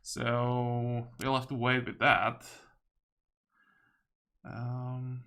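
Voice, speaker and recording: A man's voice: mid-range voice, completely flat delivery, drawn-out words, sharp tone. A man giving casual commentary while he plays a strategy game, thinking aloud and reading the game text out. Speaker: video game let's-player.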